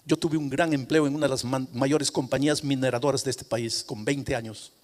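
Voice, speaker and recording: A man's voice: medium pitch, steady tone, fairly quick, darkish tone, voice pushed down, close to an everyday voice. A man voicing a repentant middle-aged former drunk, earnestly pleading his confession to the pastor. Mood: quiet sorrow. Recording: long reverb of a large hall.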